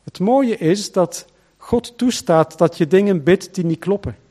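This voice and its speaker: A man preaching a sermon as pastor, emphatic and full of rhetorical questions, swinging between loud and hushed. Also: high voice, measured pace.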